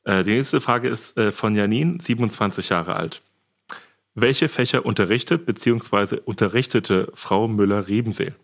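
A man's voice: on the low side, normal speed, creaky. A man moderating a casual podcast quiz, reading out questions and ruling on the answers as quiz master.

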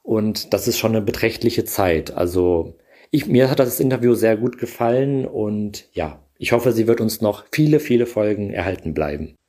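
A man's voice: lowish voice, animated, moderate pace, warm tone. A man in his early thirties speaking as a fan in a voice message to a podcast.

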